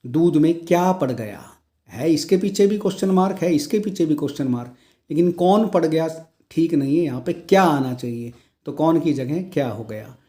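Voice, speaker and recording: A male teacher giving an exam-prep grammar lesson, reading each sentence slowly and then explaining the correction. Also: fairly high pitch, expressive, mellow. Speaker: Hindi teacher.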